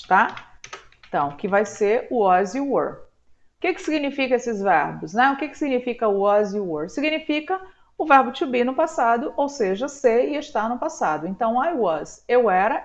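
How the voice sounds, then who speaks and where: A Brazilian woman teaching an online language lesson. She stretches out her model words slowly and checks in often with "tá?". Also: on the high side. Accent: Brazilian Portuguese. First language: Portuguese. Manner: slow drawn-out model words, frequent "tá?". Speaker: English teacher. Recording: slightly dull lo-fi sound.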